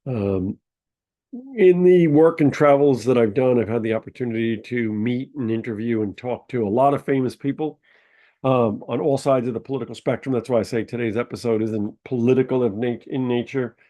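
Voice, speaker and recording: Congested and nasal from a sinus infection, a man hosts a podcast, telling a story in a loose, rambling way full of ums and uhs. His voice is mid-range and mellow at a moderate pace.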